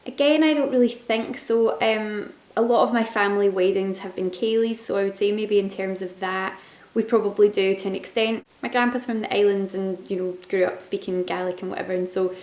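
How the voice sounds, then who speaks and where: A woman's voice: mid-range voice, fairly even intonation, brisk, a little mellow. A young woman with a Glaswegian Scottish accent, chatting casually to camera in a rambling way, full of fillers and asides. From Scotland. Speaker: beauty and lifestyle YouTuber. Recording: echoey room.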